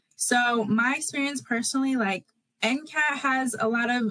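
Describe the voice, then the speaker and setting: This woman has a normal speaking voice with an American accent, keeping a moderate pace and fairly even intonation. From US West. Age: 20s. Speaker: college student. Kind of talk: panel discussion. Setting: video call.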